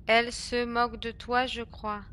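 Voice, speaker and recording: Excitable young French woman gamer. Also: on the high side, a little slow, a little hiss or hum. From France. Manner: excitable, chatty, swings between shrieks and mutters. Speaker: gaming streamer. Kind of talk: casual let's-play commentary.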